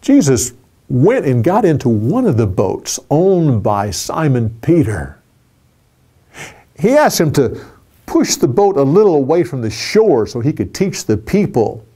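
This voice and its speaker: Older guy in his 60s telling bible stories, slow, swoopy expressive voice, little restarts. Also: on the high side. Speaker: Bible storyteller. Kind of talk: oral Bible storytelling. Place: indoor studio with a curtain backdrop.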